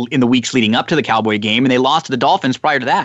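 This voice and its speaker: His pitch stays in the medium range. This man talks very fast. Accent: American. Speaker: radio co-host. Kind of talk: radio sports talk show.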